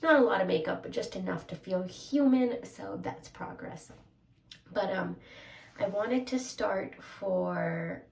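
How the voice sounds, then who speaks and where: A woman's voice: mid-range voice, slow pace, gravelly, far from the mic. Congested woman vlogging in a roomy echo. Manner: candid, hesitant, with many fillers. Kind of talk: personal vlog.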